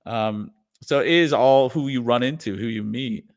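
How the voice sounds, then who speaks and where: In a laid-back interview, a guest musician and comedian speaks at medium pitch and normal speed, rambling with restarts and many "you know"s.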